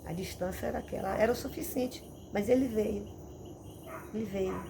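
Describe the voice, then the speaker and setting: A woman's voice: mid-range voice, moderate pace, gravelly, noisy background. Casting: woman pastor, mid-range voice, vivid repetitive storytelling, insects audible behind. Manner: animated storytelling with dramatic repetitions. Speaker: missionary and pastor. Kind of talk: testimony preaching. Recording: crickets and insects chirping behind.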